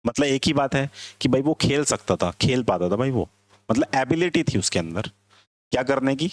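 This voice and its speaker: A man teaching English in a classroom lecture, explaining slowly and asking his students whether they understand. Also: mid-range voice, animated, no echo.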